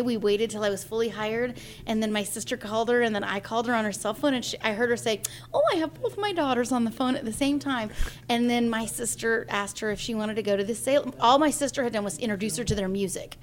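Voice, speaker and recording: A woman's voice: fairly high pitch, fast. A woman in her forties, a singer, telling a personal story in an interview and acting out the voices of the people she quotes. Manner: lively storyteller who acts out quoted voices.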